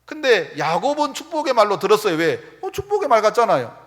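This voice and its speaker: A man's voice: high voice, very animated, a little fast, fairly bright tone. A male pastor preaching a sermon at a retreat center, questioning his congregation and drawing out his emphasis. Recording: echoey hall.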